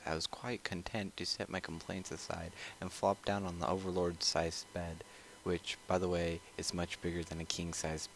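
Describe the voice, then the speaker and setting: A man's voice: low-pitched, slight background noise, low-quality recording. A man reading a visual novel aloud as he plays, stumbling and rereading lines between casual asides. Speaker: video game player. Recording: loud music over the voice. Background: loud game music.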